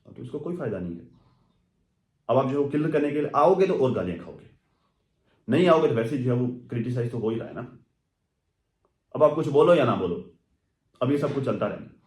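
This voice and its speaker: A man's voice: medium pitch, animated, brisk, pauses often, darkish tone. A man giving casual, rambling commentary on social media gossip, full of fillers and asides. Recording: echoey room.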